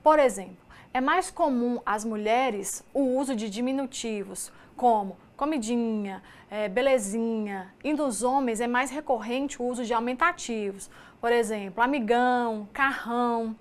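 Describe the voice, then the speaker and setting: A woman with a Mineiro Brazilian accent, a teacher giving a recorded distance-learning lecture in a measured, explanatory way, reading lists item by item. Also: a little high. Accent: Mineiro Brazilian Portuguese. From Minas Gerais, Brazil.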